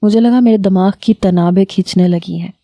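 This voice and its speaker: A woman reading a first-person story aloud in a steady, emotive way. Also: mid-range voice, no room sound, highs cut off.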